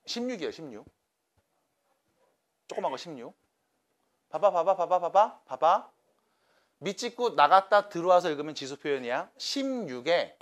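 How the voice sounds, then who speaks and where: A man teaching a math class to students, coaxing and checking in with them by name. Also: on the high side.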